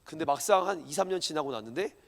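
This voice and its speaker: A male pastor preaching a sermon to young adults in a church hall, swinging from loud emphatic lines to hushed ones. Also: a little high, quick pace, vocal fry. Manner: animated, swings from shouting to hushed.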